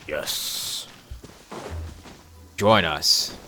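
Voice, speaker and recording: A man's voice: sits low, very slow, pushed and bright. A man livestreaming a game, reacting in a casual, slangy, informal way. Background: game music behind the voice.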